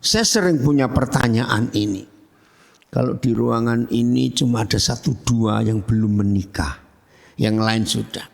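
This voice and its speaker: A man preaching a sermon as pastor, lively and humorous, often asking his congregation questions. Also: medium pitch, unhurried, gravelly. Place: church hall. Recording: long church hall reverb.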